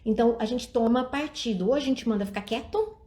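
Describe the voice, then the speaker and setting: Outdoors at night, a middle-aged woman who speaks on early childhood education gives a live-stream talk about raising children, her voice on the high side, brisk and mellow. She addresses viewers directly and acts out the words of parents and children.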